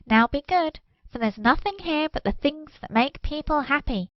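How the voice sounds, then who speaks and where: A woman's voice: high-pitched, animated, moderate pace, no room sound, lo-fi sound, pitched above the performer's own voice. A woman voicing a cheerful magical bouncing ball, a kindly guide in a children's storybook, in a sing-song way. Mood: kindly, instructive.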